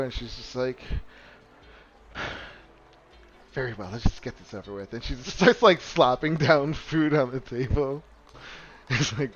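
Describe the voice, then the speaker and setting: A man's voice: medium pitch, dull audio. A man narrating a tabletop game as game master, casual and rambling, often breaking into laughter.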